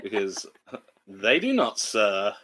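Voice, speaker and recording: A man's voice: fairly low pitch, wildly swooping pitch, slow, a bit bright, low-quality recording. A man co-hosting a podcast, chatting casually with dry, wry humor. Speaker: podcast co-host. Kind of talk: casual chat.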